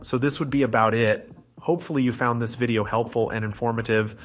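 A man's voice: medium pitch, steady tone, fairly quick. A man presenting a tech tutorial in scripted, explanatory narration, going through it methodically step by step.

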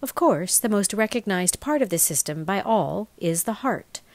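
A woman reads scripted narration as a voice-over. Her mid-pitched voice moves up and down in a lively way while she enunciates in a measured manner. The sound is dry, with very little room in it. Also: dry recording. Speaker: voice-over reader. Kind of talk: scripted narration of a spiritual explainer, read aloud.

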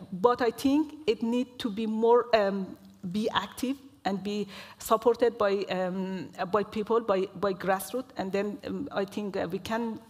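Earnest woman from Afghanistan, halting. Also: mid-range voice. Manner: earnest, halting with many fillers. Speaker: panel speaker. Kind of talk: panel discussion. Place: large stage hall.

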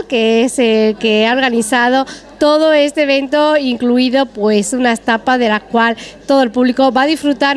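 A high-voiced woman hosts an interview at a restaurant event. She speaks chattily and steers the questions. She holds a handheld mic in the dining room.

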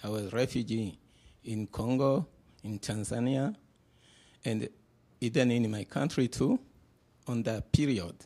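A middle-aged man from Burundi introducing himself as a panel guest in a classroom, speaking haltingly with many pauses into a handheld mic. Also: mid-range voice, mellow. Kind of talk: personal introduction.

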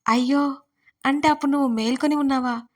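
A woman's voice: high-pitched, steady tone, brisk, lightly acted. A woman storyteller voicing a playful, teasing young woman who jokes with her fiancé in a romance audio story. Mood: surprised. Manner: teasing, childlike banter.

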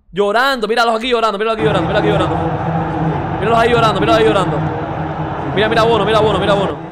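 A man's voice: very high-pitched, noisy background. A man giving casual mocking football reaction commentary as a streamer, repeating exclamations, swearing and ranting.

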